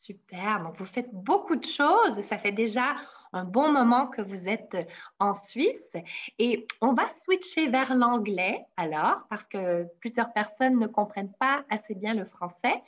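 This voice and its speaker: A woman's voice: fairly high pitch, lively intonation, unhurried, lo-fi sound. A woman hosting an interview, welcoming and encouraging her guest. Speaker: host, company head.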